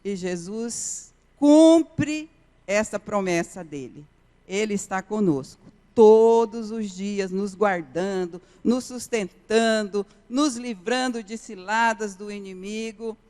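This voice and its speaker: A woman's voice: mid-range voice, takes it slowly, mellow. A woman, a missionary telling an earnest testimony in a sermon, often repeating key phrases. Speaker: missionary preacher. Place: church sanctuary. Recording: reverberant church hall.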